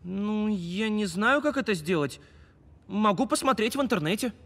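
A man's voice: high-pitched, expressive, normal speed, a bit bright, full character voice. A man voicing an earnest, anxious schoolboy in a cartoon, with a hesitant manner. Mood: puzzled. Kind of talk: animated cartoon acting.

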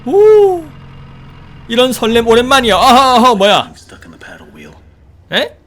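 A man giving joking let's-play commentary on a horror game, animated and easily startled, shouting in surprise. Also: extremely high pitch, slow. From South Korea. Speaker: gaming streamer.

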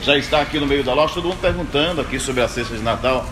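Amid the clear bustle of a large supermarket, a man delivers a live hard-sell ad. His mid-range voice urges shoppers on, repeating key offers as an in-store announcer would. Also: mid-range voice, racing. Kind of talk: live in-store advertising pitch. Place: large supermarket floor, indoors. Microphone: handheld microphone, phone video. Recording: clear store ambience noise.

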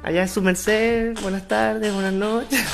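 A man's voice: high-pitched, slow, gravelly, over music. A young Venezuelan man speaking Spanish with a Venezuelan accent tinged by Bogotá, a guest chatting casually and laughing often. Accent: Venezuelan Spanish with Bogotá influence. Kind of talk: casual chat.

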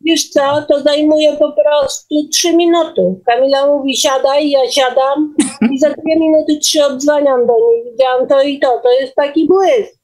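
A woman's voice: sits high, fairly even intonation, moderate pace, a little mellow, rough recording. A woman chatting casually in an online meeting. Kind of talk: casual chat.

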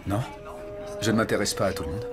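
A man plays a courteous ex-army driving instructor in his thirties, earnest and polite. His voice sits a little low, with music under him in the film mix. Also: quick pace, natural voice. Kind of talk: French dub of a TV film.

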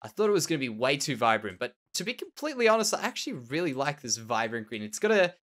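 Nasal Australian man, lively pitch. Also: fast. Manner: musing, self-correcting, repeats words. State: tender voice. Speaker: Minecraft let's play host. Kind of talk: casual gameplay commentary.

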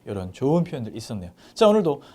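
A man teaching a short English lesson, slowing down to stress the English phrases he shows. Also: mid-range voice. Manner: animated, slows down and stresses English example phrases. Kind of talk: lively mini English lecture.

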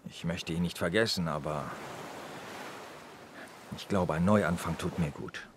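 A deep-voiced weary police inspector. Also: male voice, measured pace, background noise. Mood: wistful. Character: aging male police inspector, weary but tender. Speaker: inspector Anton Jäger. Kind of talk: radio crime drama.

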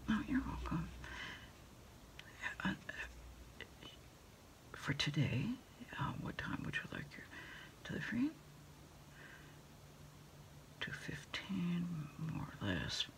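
A woman doing a quiet ASMR roleplay as a food delivery order taker on the phone, whispery and soft-spoken, with hesitant, halting phrases. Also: on the low side, huge pitch swings. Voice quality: whispery, breathy, mostly unvoiced. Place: small dim desk corner indoors.

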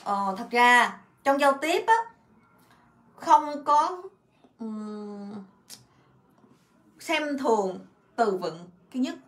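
High-voiced woman teaching Korean. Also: animated, fairly bright tone, echoey room. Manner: explains in Vietnamese, repeats Korean words and example sentences in quick bursts; refers to herself by her own name and as teacher. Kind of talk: casual online grammar lesson.

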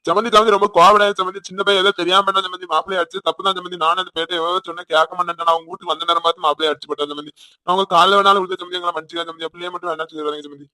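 A man's voice: high voice, little pitch movement, rapid-fire, pushed and bright, no echo. A pleading, apologetic village father. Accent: Tirunelveli Tamil. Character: humble older village father begging forgiveness.

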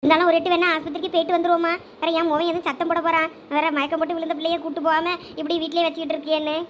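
Fussing, kind mother-in-law in a village comedy skit, high quick voice, as a woman puts her on. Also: flat delivery, a little hiss or hum. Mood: worried. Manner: fussing, coaxing. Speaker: sketch actor.

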